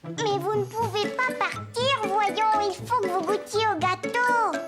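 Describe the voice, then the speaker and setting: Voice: extremely high pitch, measured pace. A performer voicing a curious, eager four-year-old boy with a childlike, earnest manner in a children's cartoon. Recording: loud music behind.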